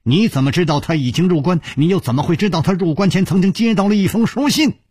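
A man's voice: sits high, fast talker, a little mellow, breathy edge, dry recording, studio quality, pitched above the performer's own voice. A man voicing a furious young swordsman in black in a storytelling broadcast, barking harsh commands. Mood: demanding.

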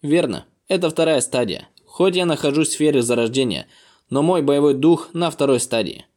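Man voicing young man, stubborn, evasive, firm brief answers, raised pitch, storybook audiobook. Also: moderate pace, a little mellow, natural voice. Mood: insistent.

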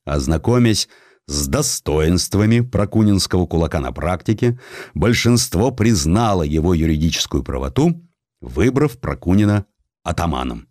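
A man narrating historical tales for an audiobook in a theatrical style, with deliberate phrasing and dramatic pauses. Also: sits low, big pitch swings, darkish tone, dry recording, studio quality.

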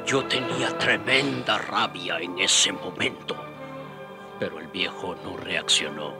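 A man's voice: low voice, slow pace, over loud music. An actor playing a fiery, indignant indigenous rebel in a radio drama, challenging his friend in colloquial speech. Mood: grave recounting. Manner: challenging, rhetorical questioning, colloquial.

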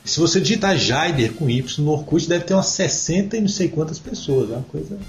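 A young man with a Brazilian accent hosting a casual podcast, reading out listener comments in a relaxed way. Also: fairly high pitch, brisk, faint music behind. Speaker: podcast host. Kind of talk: casual chat. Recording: roomy, dull lo-fi sound.

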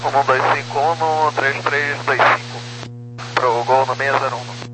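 Male, mid-pitched, terse radio calls, heavy crackle and hum. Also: steady tone, slow pace. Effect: crackly aviation radio. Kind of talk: short radio calls and readbacks.

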